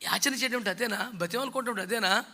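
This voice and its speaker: Male pastor, fiery sermon delivery, high pitched, piercing edge, scolds and mocks, mimics others. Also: fast talker, pushed and bright. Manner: scolding, mocking, fiery preaching with rhetorical questions; mimics people he quotes.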